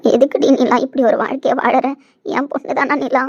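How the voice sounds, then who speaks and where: A woman playing an anguished middle-aged mother in a family web drama, swinging between pleading and scolding. Her voice sits a little high and the words pour out fast. The delivery is emotional and pressing. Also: little pitch movement, slightly rough, dull audio. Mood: desperate. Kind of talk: Tamil web-series acting.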